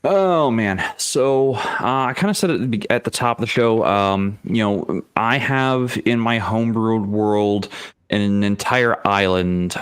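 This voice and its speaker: A man chatting casually as a panelist on a tabletop gaming show, halting as he thinks aloud. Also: on the low side, clean tone. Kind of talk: casual chat.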